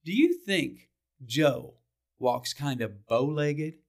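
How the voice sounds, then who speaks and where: A man acting a defensive, brooding small-town husband in an audio drama monologue, speaking haltingly and asking rhetorical questions with emphatic swings. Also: medium pitch, animated, vocal fry. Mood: troubled, brooding.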